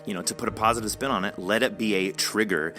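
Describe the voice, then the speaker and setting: Lower-voiced man hosting over music. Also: steady tone, quick pace. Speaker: podcast host. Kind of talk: casual interview chat.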